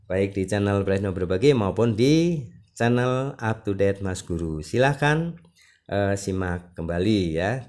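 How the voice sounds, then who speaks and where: Man, lower voice, news read-out, informal explanatory asides, reassuring manner. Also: darkish tone, smooth. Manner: reassuring, explanatory asides, often ending phrases with "ya". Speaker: YouTube channel host. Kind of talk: reading news aloud with informal commentary.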